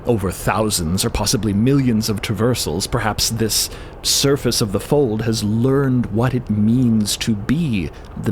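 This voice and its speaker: A man's voice: on the low side, slight background noise, lightly acted. A man playing a pedantic scientist in an audio drama, explaining things in a precise, academic manner. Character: pedantic male scientist who relishes lecturing, Merlin.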